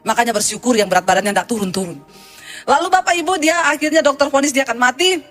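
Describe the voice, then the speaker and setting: A woman's voice: high-pitched, expressive, quick pace, fairly bright tone, soft background music. A woman pastor preaching a sermon, animatedly retelling congregants' testimonies.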